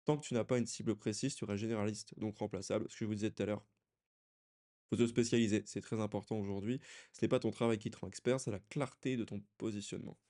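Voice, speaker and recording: A man's voice: fairly low pitch, steady tone, quick pace, warm tone. A young man coaching freelancers in a loose, conversational talking-head lesson, often restarting his sentences.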